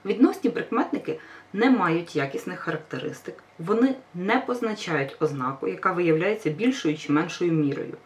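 A woman's voice: lowish voice, expressive, normal speed. A woman teacher giving a grammar lesson, patient and reassuring, stressing each example word. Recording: voice a bit far from mic.

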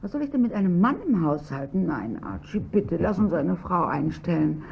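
An actress playing a wealthy wife who speaks slowly, reluctant and cool, in a radio drama. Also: female voice, fairly low pitch, very animated, creaky, slightly rough, exaggerated voice. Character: wealthy wife, wary and displeased. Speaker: wife of a businessman. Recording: dull lo-fi recording, faint hiss.

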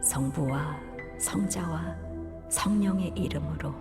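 An actress playing a woman confessing a sin in a hushed, whispered prayer in a thriller audio drama. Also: deep voice, takes it slowly, long reverb tail, music in the background. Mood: solemn. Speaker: voice actor.

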